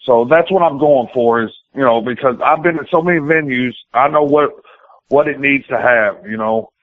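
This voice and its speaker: Heard through tinny, phone-like radio interview audio, a pro wrestler talks casually and at length, using everyday, occasionally profane speech. He has a medium-pitched voice, normal speed, and no room sound.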